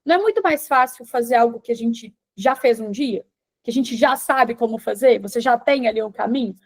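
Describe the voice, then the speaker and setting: This is a Brazilian woman with a Brazilian Portuguese accent, guest in an interview and a teacher by trade. Her voice sits high, and she explains with calm confidence, stacking her points in tidy lists. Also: brisk. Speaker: English teacher and environmental engineer, guest.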